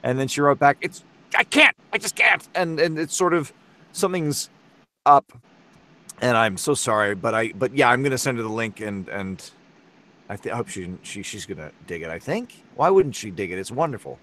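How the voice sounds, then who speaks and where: A man talking casually as a guest on a podcast, halting and restarting as he tells an anecdote. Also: mid-range voice, animated, sharp tone. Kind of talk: casual conversation.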